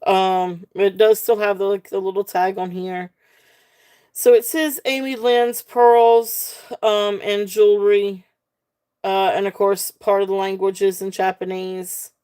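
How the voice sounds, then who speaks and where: Slow-talking Southern woman selling jewelry. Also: medium pitch, little pitch movement, smooth. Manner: chatty, folksy, with frequent ums and soft laughs. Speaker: live jewelry sale host. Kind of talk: casual live-stream selling.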